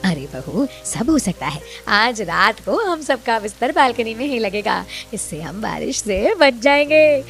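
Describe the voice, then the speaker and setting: A woman's voice: on the high side, sing-song, unhurried, hardly any pauses, fairly bright tone, faint music behind, full character voice. Woman playing a bossy stingy mother-in-law. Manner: bossy, scheming.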